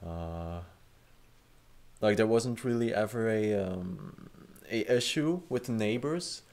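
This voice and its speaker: A man's voice: fairly low pitch, expressive, slow, a little mellow. A young man hosting an improvised chat, rambling with fillers and restarts and swearing casually. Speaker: host.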